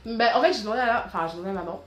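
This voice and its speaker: A woman's voice: on the high side, rapid-fire, echoey room. A teenage girl vlogging casual back-to-school tips in a chatty, rambling way, full of restarts and fillers. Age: teens.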